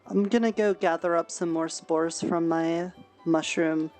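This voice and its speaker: A woman's voice: on the low side, steady tone, unhurried, darkish tone, faint music behind. A woman on a headset mic chatting casually during a roleplay game, mildly scolding and matter-of-fact. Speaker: roleplayer and streamer. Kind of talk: casual in-character roleplay chat.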